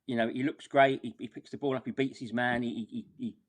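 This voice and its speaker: A man's voice: medium pitch, steady tone, fast. A man talking casually through a football match as a podcast guest, wordy and exasperated, often repeating words as he goes.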